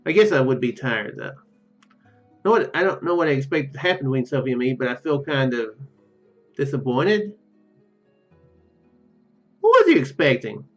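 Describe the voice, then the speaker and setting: Animated man doing casual game commentary. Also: mid-range voice, normal speed, pauses often, lo-fi sound, faint music behind. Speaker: gaming video host.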